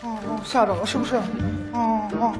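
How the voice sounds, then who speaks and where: A man's voice: high-pitched, flat delivery, a little fast, over music. A man performing a stage comedy sketch as a young father, coaxing and cooing baby talk.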